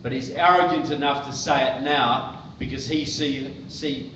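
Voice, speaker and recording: A man with a New Zealand accent addresses a crowd directly and plainly, calling out to the folks in front of him. He is recorded from far back in a roomy church hall. The sound is muffled and carries clear background noise. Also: medium pitch, steady tone, unhurried, a bit bright. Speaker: guest speaker. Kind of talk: political speech to a live audience. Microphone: far-off tablet recording.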